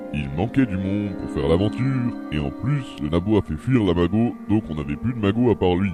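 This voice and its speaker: A man puts on a character voice, fairly low in pitch and at a moderate pace, with clear music in the background. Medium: audio drama. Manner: blunt, crude, threatening.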